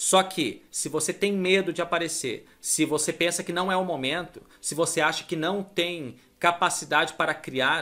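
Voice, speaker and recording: The man's voice is high-pitched, with a bright, sharp tone. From southern Brazil, Florianópolis; Santa Catarina, Brazil. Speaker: online marketer; online business youtuber. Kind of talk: video tutorial. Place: home room.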